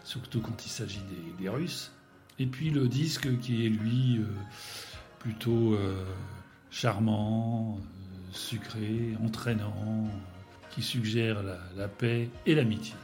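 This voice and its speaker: A man's voice: fairly low pitch, slow pace, darkish tone. A man with a Spanish accent giving a casual radio music chronicle in a playful, rambling way, hesitating often.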